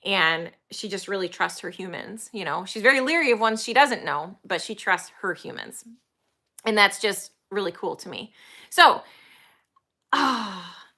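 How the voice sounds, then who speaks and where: A woman in her forties, a horse trainer who hosts her own channel, chats casually to camera about her animals. Her mid-range voice is bright and forceful, and she rambles enthusiastically and emphatically with plenty of ums.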